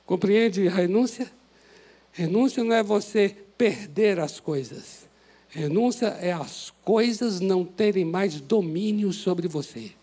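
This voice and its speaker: A male pastor with a Brazilian Portuguese accent, preaching an impassioned sermon that swings from loud exhortation to soft, prayerful pleading in a church. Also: sits high, a little slow. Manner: impassioned, rises to shouts then drops to soft prayer. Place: church sanctuary.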